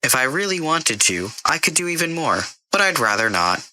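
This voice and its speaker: A man voicing a dry, unflappable female AI assistant in an audio story, soft and matter-of-fact. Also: a little high, sing-song, normal speed, dry recording, pitched above the performer's own voice, full character voice.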